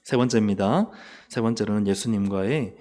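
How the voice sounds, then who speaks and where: A man preaching a sermon as pastor, asking the congregation questions and answering them himself, swinging from loud urging down to soft, low asides. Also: moderate pace. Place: church sanctuary.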